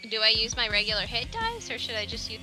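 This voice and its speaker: A woman's voice: fairly high pitch, big pitch swings, quick pace. A woman playing a tabletop game, unsure and apologetic, asking how the rules work. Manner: unsure, apologetic, asks questions. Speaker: player. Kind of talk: casual tabletop play. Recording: faint music behind.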